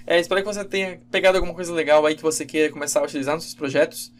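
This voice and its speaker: A man giving a casual, halting screen-recorded programming lesson, with many fillers and self-corrections. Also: fairly high pitch, little pitch movement, slight background noise. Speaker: game development instructor.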